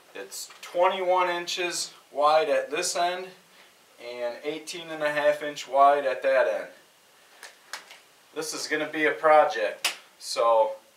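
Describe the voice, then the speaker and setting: Through light background noise and audible room echo, a man speaks at a very slow pace with long, frequent pauses. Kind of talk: casual tutorial. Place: workshop. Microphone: camera far.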